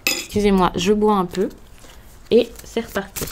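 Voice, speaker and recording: A woman's voice: medium pitch, steady tone, moderate pace, background noise. A woman from France giving a casual tarot reading to camera, hesitant with frequent fillers and restarts, in a reassuring tone. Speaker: tarot card reader.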